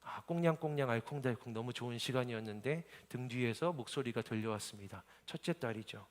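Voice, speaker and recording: A man in his thirties, a pastor preaching a sermon in a church hall, moving from quiet storytelling into impassioned pleading cries. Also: medium pitch, a little fast.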